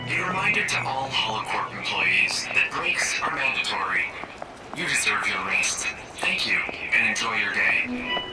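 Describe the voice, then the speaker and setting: A man's voice: lowish voice, animated, measured pace. A man playing a polite, impersonal corporate announcer giving public address messages in an audio drama. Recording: echoey, distant, loud music behind.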